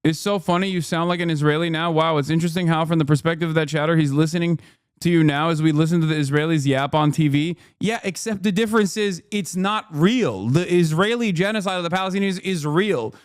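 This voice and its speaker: A man hosting a livestream, giving sarcastic, profane, animated reaction commentary. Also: on the high side, fast, clear, resonant tone, no echo, studio quality. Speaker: livestream host.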